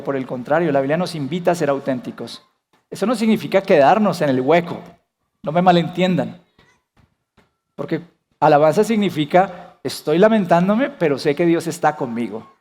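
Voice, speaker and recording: A man's voice: fairly high pitch, darkish tone, long reverb tail. A man preaching a sermon as pastor, earnest, asking the congregation questions.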